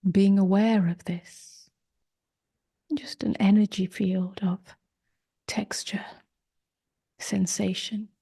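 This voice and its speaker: A woman guides a meditation in a soft, mellow voice that often drops close to a whisper. Her delivery is very unhurried, with gentle short phrases and long pauses. There is a noticeable creak at the edges of her words. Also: medium pitch, little pitch movement. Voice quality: soft, breathy, husky, often near a whisper. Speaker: meditation teacher. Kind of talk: guided meditation, slow and spoken softly.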